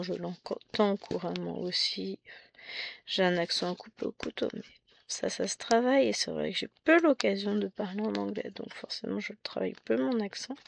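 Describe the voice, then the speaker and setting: Chatty French woman with a gravelly voice. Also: medium pitch, a little hiss or hum. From France. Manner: chatty, rambling, self-mocking with many asides and restarts. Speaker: cross-stitch vlogger. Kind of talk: casual chat.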